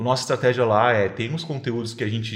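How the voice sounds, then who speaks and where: Speaking very fast, a man has a medium pitch. His voice is somewhat breathy. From Santa Catarina, Brazil (Rio do Sul). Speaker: journalist and communications consultant. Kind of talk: podcast interview.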